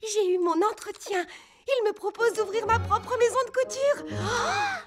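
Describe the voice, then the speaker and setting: An extremely high little-girl cartoon voice. The character is clumsy and emotional, exclamatory and expressive, with loud music underneath. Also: measured pace. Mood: excited. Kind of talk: animated children's cartoon dub. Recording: music behind the voice.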